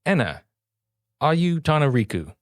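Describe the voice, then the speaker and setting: A man's voice: a little high, very animated, moderate pace, no room sound, studio quality. A man playing in a tabletop role-playing game, speaking plainly with some hesitation. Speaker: player.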